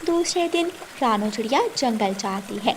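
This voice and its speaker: A woman narrating a cartoon story in a calm, measured storytelling manner. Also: on the high side, a little hiss or hum.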